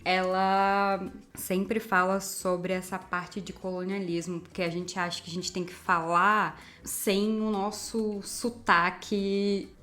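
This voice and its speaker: Brazilian woman, podcast co-host, medium pitch, earnest, emphatic. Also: level tone, slow, a bit bright. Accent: Brazilian Portuguese. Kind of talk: casual chat.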